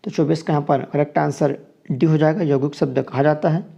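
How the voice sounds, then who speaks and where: Gravelly man teaching exam answers. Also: fairly high pitch, fairly even intonation, a little fast, warm tone, dull audio. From Chhattisgarh, India. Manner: explains each answer step by step, repeating it. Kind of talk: exam question walkthrough lesson.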